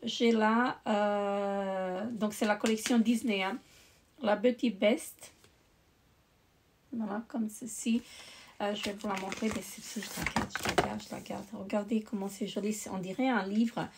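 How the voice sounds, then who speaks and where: A woman's voice: medium pitch, steady tone, measured pace, background noise. A woman beauty vlogger chatting casually while showing her makeup, with lots of hesitations and restarts. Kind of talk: casual chat.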